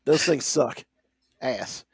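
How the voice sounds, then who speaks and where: A man's voice: medium pitch, slow pace, breathy edge, no room sound, clean studio sound. A man hosting a podcast in casual, conversational talk. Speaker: podcast host.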